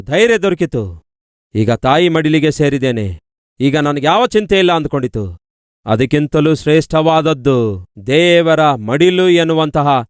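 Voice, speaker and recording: A man's voice: fairly high pitch, dry recording, clean studio sound. A man preaching a devotional sermon, emphatic and repetitive, often addressing his listeners directly. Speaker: pastor.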